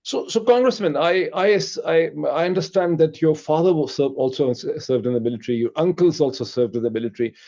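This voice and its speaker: Halting interviewer with a mellow voice. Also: male voice, a little high, dull audio. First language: Urdu. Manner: halting, many fillers and stammers. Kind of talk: interview questions.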